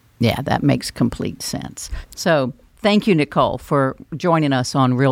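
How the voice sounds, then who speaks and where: Her very deep, low voice catching in vocal fry, a woman with a Southern US accent speaks at a moderate pace on a very clean recording with a silent background. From North Carolina. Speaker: podcast host, education expert. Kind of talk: interview podcast.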